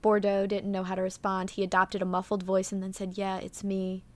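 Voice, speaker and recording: A woman's voice: mid-range voice, completely flat delivery, fairly quick. Chatty young woman recounting a crime case. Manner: chatty, full of "like" and "um", reads notes aloud. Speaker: podcast co-host. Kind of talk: casual true-crime chat.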